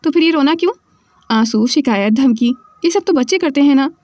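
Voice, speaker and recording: A woman's voice: high-pitched, expressive, a little fast, dry recording. A woman voicing an affectionate middle-aged mother-in-law who teases playfully. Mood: teasing. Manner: warm, playful teasing.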